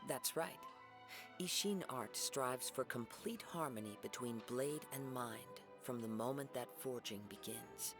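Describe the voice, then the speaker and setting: A reserved young samurai, played by a man speaks calmly and politely at a middle pitch. Game music plays clearly behind him. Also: measured pace, lightly acted. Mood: explaining. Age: young adult. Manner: calm, polite and composed. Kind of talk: video game voice acting. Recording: game score playing behind.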